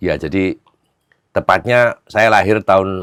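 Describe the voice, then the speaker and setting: A man's very deep, low voice with ordinary pitch variation, in a dry, close sound with no echo. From Central Java, Indonesia (Klaten). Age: 70s. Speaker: businessman and religious music composer. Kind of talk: interview.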